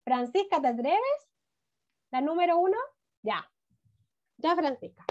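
Slow high-voiced teacher on a video call. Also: female voice, animated. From Chile. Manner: warm encouraging praise, drawn-out words, frequent "muy bien". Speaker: first-grade teacher. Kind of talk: online class teaching reading. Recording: dull lo-fi video call audio.

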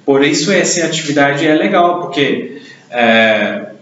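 Brazilian man teaching, fairly high voice. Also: expressive, measured pace, a bit bright. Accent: Brazilian Portuguese. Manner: encouraging, guiding questions. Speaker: English teacher. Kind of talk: classroom conversation. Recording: echoey dull room recording.

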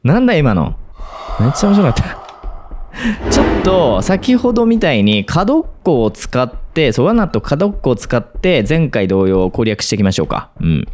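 A man narrates his horror game run, his voice swinging wildly from low mutters to high yelps. He sits at a middle pitch and talks to himself as he goes. A faint hiss sits under the recording. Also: very animated, moderate pace, a little mellow. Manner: jumpy, talks to himself, sudden yelps and laughs. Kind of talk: let's play commentary.

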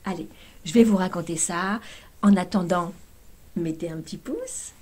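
A woman's voice: on the low side, moderate pace, a little mellow, breathy edge. A woman YouTuber chatting casually to her viewers, telling a storytime with lots of fillers and exclamations.

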